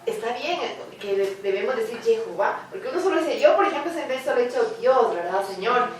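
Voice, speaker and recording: A woman's voice: on the high side, expressive, a little fast, slight background noise. A woman in a Bible study group asking a question, thinking aloud with hesitant restarts. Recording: very echoey room, voice heard from a distance.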